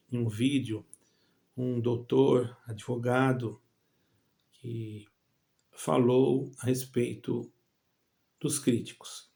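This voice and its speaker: Gravelly Brazilian-Portuguese man addressing believers. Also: mid-range voice, a little mellow. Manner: halting, with many pauses and restarts. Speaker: evangelical channel host. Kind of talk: direct-to-camera address to fellow believers.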